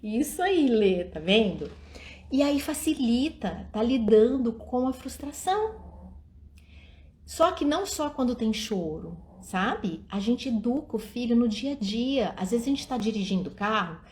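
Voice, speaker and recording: A woman's voice: fairly high pitch, big pitch swings, measured pace, darkish tone, slight background noise. A middle-aged woman speaks outdoors at night in a live-stream talk on raising children. She talks to her viewers directly and acts out the words of parents and children. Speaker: early childhood education speaker.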